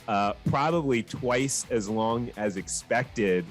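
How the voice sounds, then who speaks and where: A man's voice: medium pitch, slow pace, soft background music. Upbeat male podcast host. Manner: upbeat, enthusiastic. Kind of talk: podcast interview.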